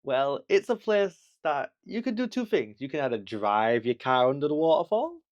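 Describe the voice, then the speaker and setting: A man's voice: on the high side, very animated, normal speed, dull audio. A young man talking casually to camera in a travel vlog, chatty and rambling, with laughs and restarts, reassuring the viewer. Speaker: travel vlogger.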